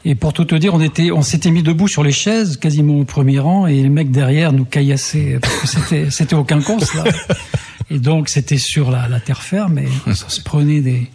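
Older man with a gravelly husky voice. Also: a little high, normal speed, a little mellow. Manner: reminiscing, with restarts and small laughs. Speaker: journalist guest. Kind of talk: casual radio chat, telling anecdotes.

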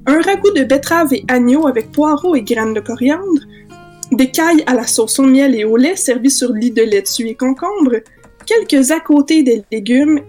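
A woman with a Québécois accent reading a comic parody story with lively long lists. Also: on the high side.

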